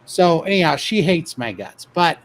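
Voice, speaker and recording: A man's voice: on the high side, big pitch swings, normal speed, rough recording. A man casually telling a funny story about himself, laughing often as he goes. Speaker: guest telling his weight-loss story.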